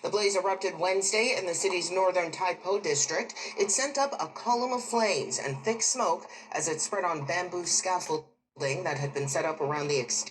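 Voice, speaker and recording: A woman delivers a broadcast news report in a steady, formal voice set very low. The clip sounds distant from the mic, with faint noise under it. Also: normal speed.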